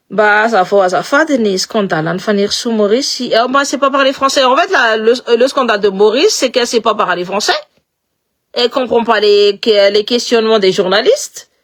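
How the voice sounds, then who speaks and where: A woman talks at a moderate pace, her fairly high pitch showing ordinary pitch variation. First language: Malagasy (speaking French). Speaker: political commentator. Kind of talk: political commentary livestream. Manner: animated.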